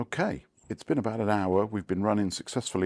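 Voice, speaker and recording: A man speaks at a fairly quick pace with a very deep, low pitch. The sound is dry with no echo. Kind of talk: casual vlog chat. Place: garden. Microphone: phone near.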